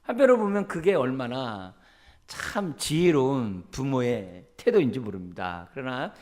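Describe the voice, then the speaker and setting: A middle-aged man preaches in a church with a middle-pitched voice that swings widely up and down. He is quick-tempered by his own account and acts out scolding parents and a mumbling son. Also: very animated, darkish tone. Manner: calls himself quick-tempered. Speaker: pastor. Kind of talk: sermon.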